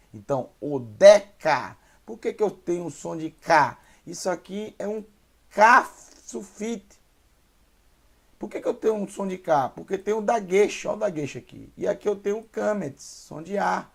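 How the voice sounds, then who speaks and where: Man, Brazilian Portuguese accent, gravelly, fairly high voice, slow careful syllables, beginner lesson. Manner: sounds out syllables slowly and repeats words. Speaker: Hebrew teacher.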